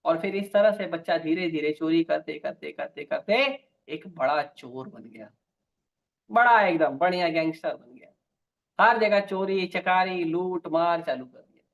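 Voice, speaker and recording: A man's voice: a little high, a little slow, creaky. A man preaching a devotional sermon with stories, emphatic and repeating key phrases. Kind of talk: Hindi devotional sermon with storytelling. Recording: dull lo-fi recording.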